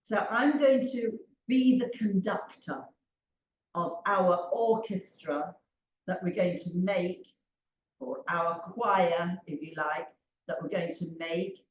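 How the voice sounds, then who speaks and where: An older woman training teachers, leading a slow, emphatic interactive drama exercise over a video call. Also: on the low side, steady tone, echoey room, dull audio, slight background noise. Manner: slow, emphatic, leads call-and-response chants. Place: home room on a video call.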